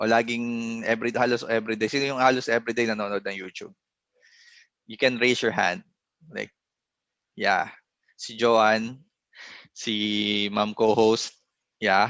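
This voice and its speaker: Loudness swings widely while long, frequent pauses break up speech delivered in a flat monotone. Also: man, medium pitch for a man, moderate pace. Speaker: online trainer. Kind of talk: online training workshop. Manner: casual, conversational.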